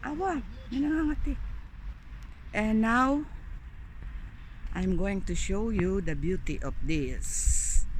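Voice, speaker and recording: A woman with a Filipino accent speaks at a very slow pace with long, frequent pauses and very wide pitch swings, in a room with audible echo. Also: fairly high pitch for a woman. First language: Tagalog. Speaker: vlogger. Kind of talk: casual vlog narration. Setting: outdoors in a park.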